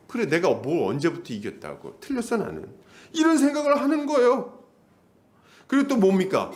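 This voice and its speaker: A male pastor preaching a sermon, lively and conversational, often asking the congregation questions. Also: high-pitched. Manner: animated, acts out voices, asks the congregation questions.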